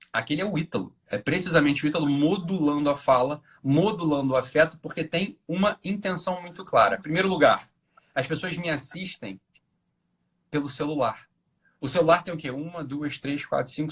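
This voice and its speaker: Fast-talking, husky-voiced man hosting a live chat. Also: fairly high pitch. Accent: Brazilian Portuguese. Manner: animated, acts out silly voices mid-explanation. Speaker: host. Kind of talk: casual live-stream conversation.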